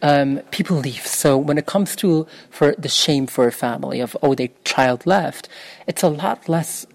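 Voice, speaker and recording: A woman's voice: sits low, a little slow, gravelly, no room sound. A young woman from New York, a native Yiddish speaker, answering interview questions in an earnest, self-correcting way. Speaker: interview guest.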